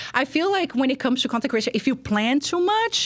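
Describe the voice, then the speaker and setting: A woman at a very fast pace and high pitch, in a strong Brazilian accent. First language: Portuguese. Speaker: social media influencer. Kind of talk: casual interview chat. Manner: animated.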